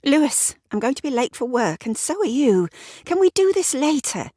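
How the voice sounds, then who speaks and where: Woman putting on a sharp, high-strung wife. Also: very animated, moderate pace, no room sound, clean studio sound. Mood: irritated. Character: tense, clipped woman, irritable wife.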